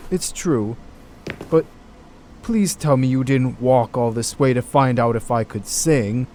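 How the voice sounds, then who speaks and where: An earnest hospital doctor, played by a man in an audio drama, with a middling pitch. He sounds principled and articulate, patient but a little worn by his workload. The recording has slight noise. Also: a little slow, warm tone, natural voice.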